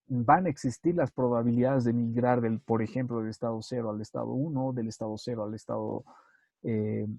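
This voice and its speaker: A man lectures step by step, his voice gravelly and husky, with a dark, mellow tone. He often checks in with his students and corrects himself as he goes. The sound is dry and close, with no room echo. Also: medium pitch. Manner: methodical, repeats points and checks with tag questions; self-correcting, with hesitations. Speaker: university lecturer. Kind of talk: recorded online lecture on queueing theory.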